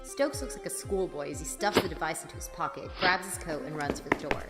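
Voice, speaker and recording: A woman's voice: low-pitched, fairly quick. A woman playing a wry, weary student who narrates an audio drama in informal, slangy language. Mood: wry narration. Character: sardonic, weary female student narrating her adventures. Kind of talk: audio drama acting and first-person narration. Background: loud music.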